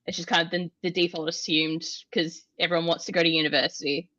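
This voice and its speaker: A young woman with an Australian accent talks at a relaxed pace, dotting her explanations with "um". Her voice sits on the low side. The audio is dry and slightly dull, with the muffled sound of a basic mic. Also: dry recording. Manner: relaxed, explanatory, frequent "um" pauses. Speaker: guest, industrial automation engineer. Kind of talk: casual interview answers.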